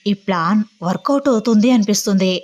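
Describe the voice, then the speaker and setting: A woman voicing a young woman who plans a prank, talking in a brisk, insistent way. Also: medium pitch, darkish tone, highs cut off, close to an everyday voice. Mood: eager.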